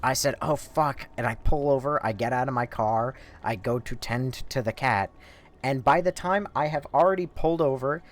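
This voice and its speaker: A man's voice: medium pitch, normal speed. A man streaming a game, telling a story in a rambling, profane, casual way. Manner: rambling, profane, laid-back.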